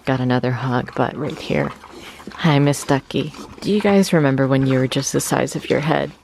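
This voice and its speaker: A woman's voice: a bass voice, moderate pace, vocal fry, a little mellow, slight background noise. A young woman chatting casually to her vlog audience in an informal, giggly storytelling way. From Georgia, United States. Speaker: vlogger.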